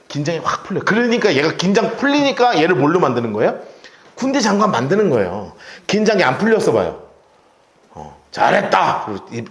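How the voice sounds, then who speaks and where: A man teaching a Bible study, retelling the story with vivid, lively asides. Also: a little high, reverberant. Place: church room.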